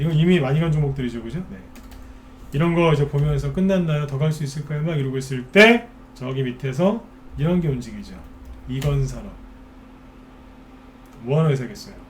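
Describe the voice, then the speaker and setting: On the high side vocally, this stock market expert hosts a broadcast in a casual way. He fires off rhetorical questions and frequently mimics worried investors, with a bit of background noise present.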